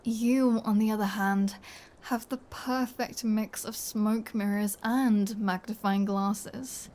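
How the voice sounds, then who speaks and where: A woman playing a flirty, taunting vampire in an ASMR audio roleplay, smug and playful, dropping into breathy whispers. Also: medium pitch, fairly even intonation, takes it slowly, darkish tone, lightly acted. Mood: smooth, appreciative.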